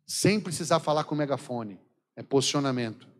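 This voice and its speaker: A man's voice: medium pitch, animated, fairly quick. A man from São Paulo state with a Brazilian accent, preaching a sermon as a missionary, telling jokey stories and acting out the dialogue. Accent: Brazilian Portuguese, São Paulo. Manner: jokey storytelling, acts out quoted dialogue, laughs often. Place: large church hall. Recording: long church hall reverb.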